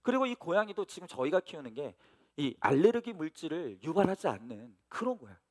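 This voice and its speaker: Animated male pastor telling a story. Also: on the high side, a little fast. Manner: storytelling with lively asides to the congregation. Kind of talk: sermon.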